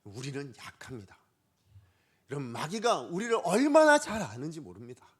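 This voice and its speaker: A man preaching a Sunday sermon as pastor, lively and full of questions to the congregation. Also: on the high side, moderate pace, breathy edge. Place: church sanctuary.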